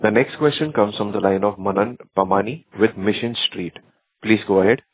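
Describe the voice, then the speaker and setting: A man's voice: lowish voice, brisk, breathy edge, no echo. A man working as a call operator, formally introducing the next questioner on an earnings call. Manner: formal and scripted. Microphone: phone line. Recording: dry tinny phone line.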